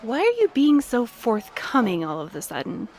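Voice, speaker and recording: A woman's voice: fairly high pitch, wildly swooping pitch, moderate pace, darkish tone, a little hiss or hum. A woman playing a curious, eager and helpful young researcher in an audio drama, inquisitive and polite. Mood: doubtful. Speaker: actor in a fiction podcast.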